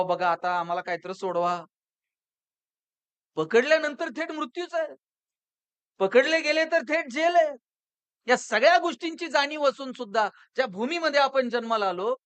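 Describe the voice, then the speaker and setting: A man giving a motivational public lecture, telling stories and asking the audience rhetorical questions, swinging between loud and hushed delivery. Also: sits high, clear, resonant tone, dry recording. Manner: rhetorical questions and storytelling, rises and drops in loudness.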